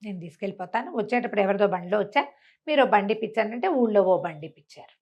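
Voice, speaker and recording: A woman voicing a sly male thief who poses as a returning husband in an oral folk tale, brisk and insistent. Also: mid-range voice, darkish tone, lightly acted.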